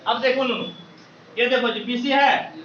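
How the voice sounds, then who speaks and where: A man leads a maths class in a very high, sharp voice, firing questions and asking the students to shout the answers back. He calls them babu and beta as he goes. The sound is dull and distant, with the echo of a roomy classroom around it. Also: steady tone, normal speed, slight background noise. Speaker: maths teacher. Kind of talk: classroom lecture with call-and-response.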